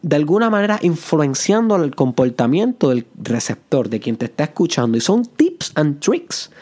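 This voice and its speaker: A man hosting a motivational podcast, sprinkling English phrases into his talk and playing his voice between loud and soft. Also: a little high. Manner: plays with loud and soft delivery for effect. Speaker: podcast host.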